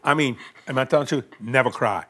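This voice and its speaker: A man's voice: medium pitch, fairly quick, sharp tone. An older man, hosting a Christian TV talk show in a folksy, colloquial way and leading a prayer. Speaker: televangelist host.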